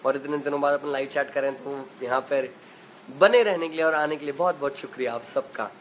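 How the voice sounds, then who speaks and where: A man's voice: medium pitch, a little fast, a little hiss or hum, poor audio. A young man hosting a casual live chat from home, reading viewer comments into his phone and chatting back with easy laughs. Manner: chatty, laughs easily, uses filler 'matlab' and 'yaar'. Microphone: phone in selfie view.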